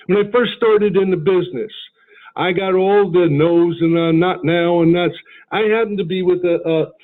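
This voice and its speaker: A man's voice: high voice, fairly even intonation, moderate pace. A man giving a motivational sales talk, telling stories earnestly and acting out the dialogue. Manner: earnest storytelling, acts out dialogue. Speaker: insurance sales mentor. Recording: tinny phone-like line.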